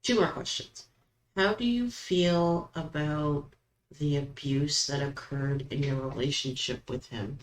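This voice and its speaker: A woman hosting a paranormal session, asking questions aloud and commenting casually, with halting pauses between them. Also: deep voice. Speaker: host of a spirit box session. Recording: roomy echo, background noise.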